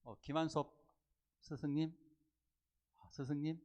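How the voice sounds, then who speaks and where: A man's voice: a little high, measured pace, lo-fi sound. A man preaching a Sunday sermon as pastor, acting out quoted remarks and questioning his congregation. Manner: animated, acts out quoted voices, asks the congregation questions. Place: church sanctuary.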